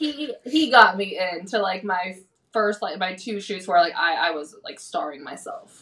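With an ordinary speaking voice and a General American accent, a woman of medium pitch talks at a moderate pace, her intonation lively and her loudness swinging widely. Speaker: adult entertainer. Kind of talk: casual interview chat.

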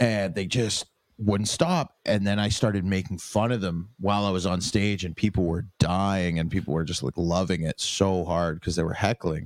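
A man with a Canadian accent and a very deep, low voice, his intonation fairly even, at a moderate pace with hardly any pauses, on a very clean recording with a silent background. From Canada. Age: 20s. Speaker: stand-up comedian. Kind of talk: casual chat.

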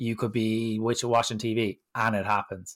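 On a very clean recording with a silent background, a man at medium pitch with an Irish accent speaks in a monotone, flat way. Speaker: online fitness coach. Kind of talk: podcast interview.

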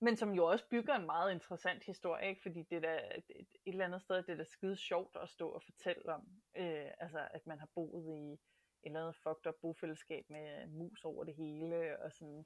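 With a dry, close sound and no echo, a woman speaks at a moderate pace in a fairly low pitch, her intonation fairly even but her loudness swinging widely. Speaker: actress. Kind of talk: casual chat.

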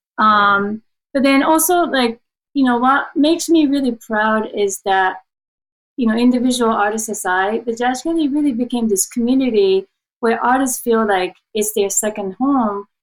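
A woman speaks at a moderate pace with a Japanese accent. Her pitch sits fairly high, with ordinary pitch variation. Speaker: jazz venue artistic director. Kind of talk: interview.

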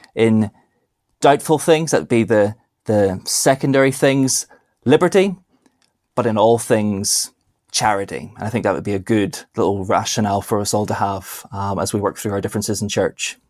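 In a Northern Irish accent, a man speaks with a fairly low pitch and ordinary pitch variation on a very clean recording with a silent background. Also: moderate pace. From Northern Ireland. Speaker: pastor. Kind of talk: podcast interview.

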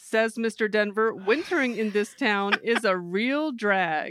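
Speaking at a fairly slow pace, a woman with a plain, everyday voice and a fairly high pitch uses lively intonation on a very clean recording with a silent background. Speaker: comedy podcast co-host. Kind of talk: comedic banter. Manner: cheerful, upbeat.

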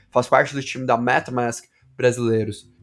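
With music in the background, a man speaks at a moderate pace and medium pitch in a monotone, flat way. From Goiânia, Brazil. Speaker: crypto market analyst. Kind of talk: casual interview. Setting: studio.

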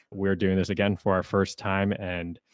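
A man with an American accent speaks at a fairly quick pace in a fairly low pitch. The sound is dry and close with no echo, over a quiet background. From United States. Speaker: podcast co-host, property startup co-founder. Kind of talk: casual chat.

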